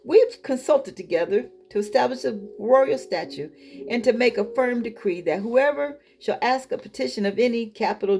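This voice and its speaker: A woman's voice: a little high, darkish tone. A woman reading scripture aloud as a Bible teacher, breaking off into informal, emphatic comments of her own. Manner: colloquial, emphatic asides.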